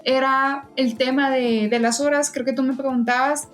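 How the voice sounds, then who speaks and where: A woman's voice: high-pitched, steady tone, normal speed, soft background music. A woman guest in a casual interview, talking in a hesitant way with frequent fillers and restarts. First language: Spanish. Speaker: podcast guest, event volunteer.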